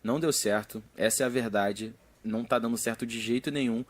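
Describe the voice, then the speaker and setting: A man's voice: mid-range voice, brisk. A young man co-hosting a casual sports podcast, rambling with lots of fillers. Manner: rambling, filler-heavy, laughs a lot. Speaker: podcast co-host.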